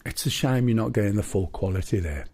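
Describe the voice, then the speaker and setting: A man's voice: lowish voice, animated, quick pace, a little mellow. A man with a Black Country accent chatting casually while live-streaming a flight game and reading viewer chat aloud.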